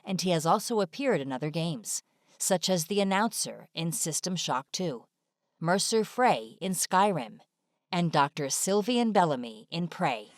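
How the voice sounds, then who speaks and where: Casting: female explainer narrator, slightly deep, scripted informational read, dry studio voice-over. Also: sing-song, a little slow, no echo.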